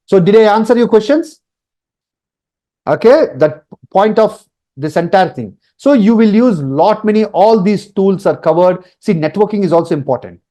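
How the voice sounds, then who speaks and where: High-pitched Telugu-accented man teaching informally. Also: animated, normal speed, dark tone. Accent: Telugu Indian. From India. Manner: repetitive, emphatic, checks in with "okay" and "right". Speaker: instructor.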